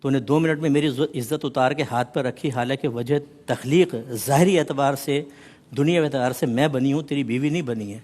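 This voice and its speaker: A man's voice: mid-range voice, a little mellow, in a large hall, lightly acted. A man voicing a hurt elderly mother who rebukes her son in a reproachful, pleading way.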